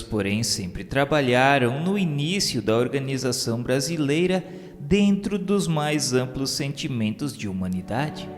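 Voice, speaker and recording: A Brazilian man reads scripted narration at a slow, measured pace. His delivery is solemn and formal, with a literary radio-novela tone. His medium-pitched voice carries a long reverb, and music plays behind him.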